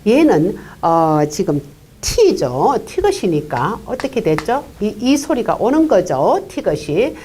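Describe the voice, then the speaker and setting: A woman teaching English pronunciation in a lecture, explaining unhurriedly with many "uh" fillers and quietly voicing single consonant sounds. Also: medium pitch, breathy edge. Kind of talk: classroom-style pronunciation lecture.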